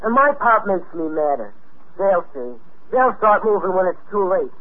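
A jittery boy sidekick grumbles his way through a 1950s radio adventure. The voice is high and husky, anxious and comically fearful. The old recording is thin and tinny. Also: very animated, normal speed, exaggerated voice. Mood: indignant. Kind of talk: 1950s radio drama acting.

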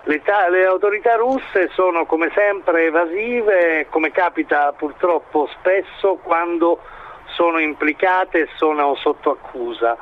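A man with a slightly high voice answers as an expert commentator in an interview. He speaks haltingly, piecing together his analysis. The recording is a little dull, with faint noise behind him. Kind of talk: interview analysis of current affairs.

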